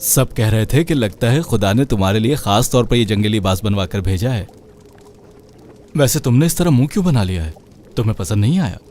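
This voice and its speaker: A man's voice: lowish voice, expressive, a little fast, a little mellow, slight background noise, natural voice. A man voicing a boastful but cowardly young suitor with a pleading, wheedling manner.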